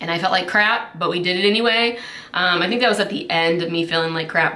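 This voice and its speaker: Over noticeable background noise and audible room echo, a woman speaks with fairly even intonation. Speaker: vlogger. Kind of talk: casual monologue vlog. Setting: at home, window closed. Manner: hesitant, filler words.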